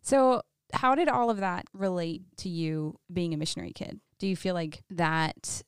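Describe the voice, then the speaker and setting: A young woman co-hosts a casual podcast, friendly and chatty with frequent laughter. Her voice sits a little low for a woman. The sound is dry and close to the mic. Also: moderate pace, clear, resonant tone, no room sound. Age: young adult. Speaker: podcast co-host.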